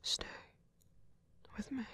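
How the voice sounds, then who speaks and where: A man playing a wounded villain in love, teasing and tender, murmuring haltingly in an intimate ASMR roleplay. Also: sharp tone. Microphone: close mic, dry.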